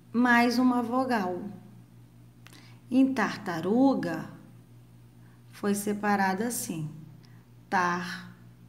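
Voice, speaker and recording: A woman's voice: medium pitch, a little hiss or hum. A woman teacher with a Brazilian accent giving a recorded lesson to young children, patiently spelling out letters and syllables in an affectionate tone. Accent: Brazilian Portuguese. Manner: affectionate with pupils. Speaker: primary school teacher.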